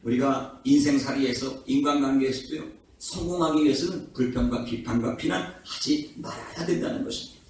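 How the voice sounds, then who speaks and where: A man's voice: medium pitch, steady tone, fairly quick. A man preaching a revival sermon as pastor, with passionate rhetorical questions. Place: prayer house worship hall. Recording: echoey hall from far off, faint noise.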